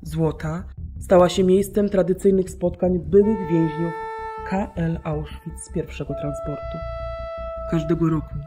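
A woman with a fairly low voice narrates a documentary radio drama. Her delivery is scripted, solemn and measured, with each word carefully articulated. Music plays clearly behind her. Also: fairly even intonation.

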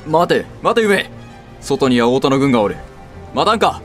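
A man's voice: medium pitch, very animated, normal speed, fairly bright tone, faint music behind. An actor playing a stern, authoritative samurai castle lord and father in a historical voice drama. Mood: urgent, commanding. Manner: archaic, authoritative samurai speech. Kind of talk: Japanese historical voice drama acting.

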